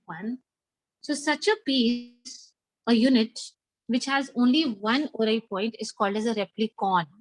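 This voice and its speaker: The clip is a low-quality recording with no echo. A woman with a fairly high pitch and a South Asian accent talks a little slowly as she teaches biology interactively, going over key points again and asking her students questions.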